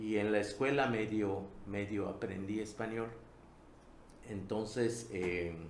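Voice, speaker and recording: A man speaks very slowly in a Yucatán accent, with a fairly low pitch and fairly even intonation. Long pauses come often, and the room echo is audible. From Yucatán, Mexico (rural Maya village). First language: Yucatec Maya (speaking Spanish). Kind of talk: public talk. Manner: hesitant, with repetitions.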